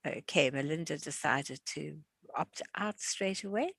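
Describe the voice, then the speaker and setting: Hosting an online class, this woman in her sixties keeps the chat casual and laughs readily. She has a deep, creaky voice with a breathy edge and a slightly bright quality, animated and measured in pace.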